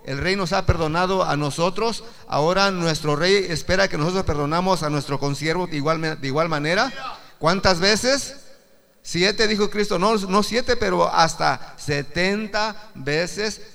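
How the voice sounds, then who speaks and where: A man's voice: sits high, normal speed, creaky, fairly bright tone. A man preaching a sermon and reading scripture, fervently calling his listeners brothers. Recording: long hall reverb.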